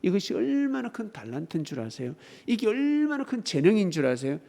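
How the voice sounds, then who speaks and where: A male pastor preaching a sermon, emphatic and swinging between loud exclamations and softer asides, often asking the congregation rhetorical questions. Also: sits high, big pitch swings, fairly quick, creaky.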